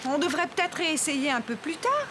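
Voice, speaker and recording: A woman voicing a gentle, patient young mother in a cartoon, soft and encouraging. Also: high voice, very animated, a little fast, noisy background. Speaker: cartoon character. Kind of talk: animated series dubbing.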